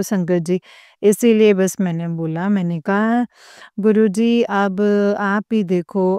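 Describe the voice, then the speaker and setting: A young woman, earnestly sharing a personal devotional testimony in a repetitive, halting way with many fillers. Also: medium pitch, dark tone, clear, resonant tone, no room sound, studio quality. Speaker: devotee sharing her experience. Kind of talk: personal testimony to a spiritual gathering.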